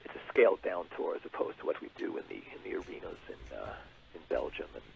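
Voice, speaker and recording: A man calling in as a swaggering, self-important rock frontman who boasts with halting pauses. His gravelly voice swings up and down in pitch, and it comes through a tinny, hissy phone line. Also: animated, full character voice. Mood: pompous. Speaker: caller. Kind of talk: comedic call-in character.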